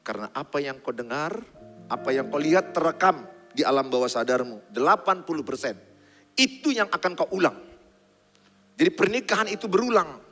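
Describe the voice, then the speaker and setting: High bright-voiced pastor preaching. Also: male voice, brisk. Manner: lively, joking, addresses the congregation bluntly. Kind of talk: sermon. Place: large church hall. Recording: long hall reverb, faint music.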